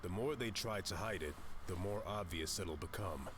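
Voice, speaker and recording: A man's voice: sits low, normal speed, a bit bright, a little hiss or hum. A man playing a solemn, self-assured detective in a visual novel, making dramatic pronouncements. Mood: pompous, assured. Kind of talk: visual novel character acting.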